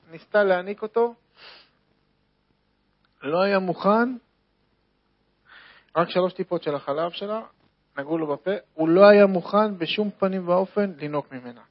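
Man, sermon storytelling, somewhat high voice, dull lo-fi recording, repetitive emphasis. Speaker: religious storyteller.

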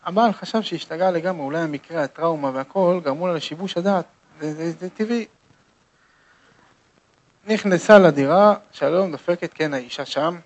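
A man telling an inspirational true story to listeners, animated and emphatic, speaking to them directly. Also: on the high side, muffled recording.

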